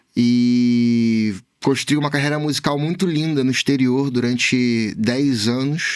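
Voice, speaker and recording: Here a man speaks in a normal speaking voice at a medium pitch, with fairly even intonation. The sound is dry and close, with no echo. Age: 30s. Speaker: communication strategist and former musician. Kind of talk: podcast interview.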